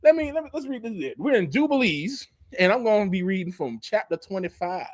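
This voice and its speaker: A Bible teacher in his forties sounds high-pitched, very animated and brisk in this dry, clean studio recording. Teaching from scripture in a relaxed, conversational way, he often restarts phrases, leans on "you know", and adds emphatic, mocking asides.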